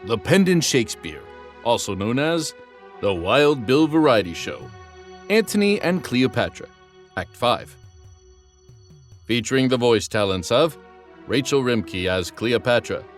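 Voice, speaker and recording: A man reading scripted credits as the announcer for an audio drama production. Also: mid-range voice.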